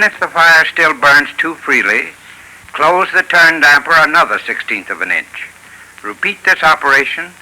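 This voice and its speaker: A man giving scripted advice to listeners on a 1930s radio program, in a measured, instructive way. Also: medium pitch, sharp tone, poor audio. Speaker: sponsor's heating expert. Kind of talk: scripted advertising talk. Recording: old radio broadcast.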